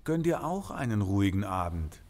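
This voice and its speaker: A man's voice: lowish voice, very animated, moderate pace, a little mellow. A man playing an easygoing small-town police detective in an audio drama, speaking in a familiar, colloquial way. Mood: easygoing, teasing. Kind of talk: German audio drama acting.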